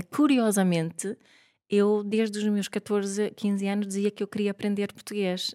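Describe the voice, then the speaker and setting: A woman speaks at medium pitch and a moderate pace, her tone dark and mellow. The recording is very clean and dry, with close sound, no echo and a silent background. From Sweden. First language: Swedish (speaking Portuguese). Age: 40s. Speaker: parenting author and educator. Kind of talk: casual interview chat.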